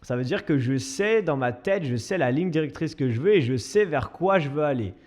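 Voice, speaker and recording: Young man, podcast host, casual monologue, slightly higher voice, self-mocking, lots of restarts. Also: expressive, normal speed, a little mellow. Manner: chatty, self-mocking, many restarts and fillers. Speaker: podcast host and fitness coach.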